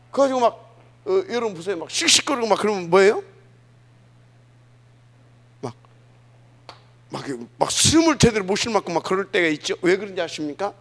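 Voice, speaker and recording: A man preaching a sermon, often asking the congregation questions and swinging between loud emphasis and soft asides. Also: high voice. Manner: asks the congregation questions, many fillers, dynamic swings. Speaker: pastor.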